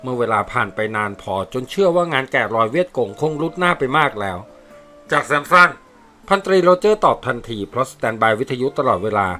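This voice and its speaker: A man reading a war novel aloud as narrator, with steady storytelling. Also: mid-range voice, fast, few pauses, faint music behind. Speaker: audiobook narrator.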